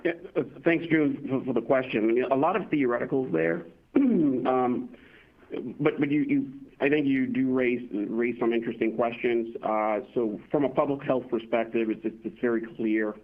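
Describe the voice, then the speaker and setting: A man answering as a company executive on a conference call, speaking haltingly and often repeating words as he reasons aloud. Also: medium pitch. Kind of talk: earnings call answer, unscripted. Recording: muffled phone-line conference call.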